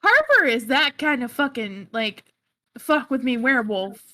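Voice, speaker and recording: A woman improvising casually as a tabletop game player, halting and repeating her words. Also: high voice, big pitch swings, pushed and bright. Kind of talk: casual in-character improvised chat.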